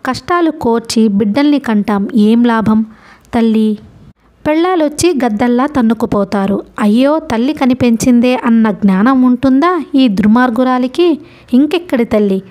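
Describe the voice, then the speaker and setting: Woman reading a bitter old mother-in-law, storybook; grumbling, mellow. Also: fairly high pitch, moderate pace, natural voice. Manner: grumbling, resentful.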